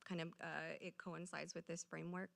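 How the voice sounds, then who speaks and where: Female city staffer, lower-pitched, explaining policy at a public meeting. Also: flat delivery, normal speed, vocal fry, a bit bright. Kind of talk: answering council questions at a public meeting.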